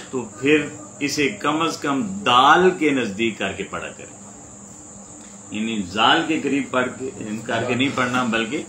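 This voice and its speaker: A man gives a recitation lesson in a bright, forward voice. He is patient and sounds out each letter slowly, over and over. The room is echoey, with faint insects chirping behind him. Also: mid-range voice, slight background noise. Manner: patient, demonstrates sounds by repeating them slowly. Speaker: religious teacher. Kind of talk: spoken lesson on Quranic recitation.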